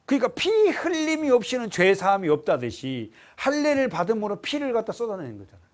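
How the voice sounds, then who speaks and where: A man's voice: high voice, wildly swooping pitch, fast. A male pastor preaching an expository sermon in a church. He keeps asking the congregation questions and answering them himself, and he calls on them to read scripture aloud.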